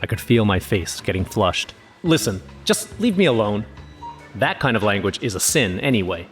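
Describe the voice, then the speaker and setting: Uneasy young narrator, lowish voice, scripted horror storytelling, music underneath. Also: male voice, sing-song, moderate pace. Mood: uneasy, tense. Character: anxious, easily embarrassed young man, the story's narrator. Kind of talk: first-person scripted horror narration with acted dialogue.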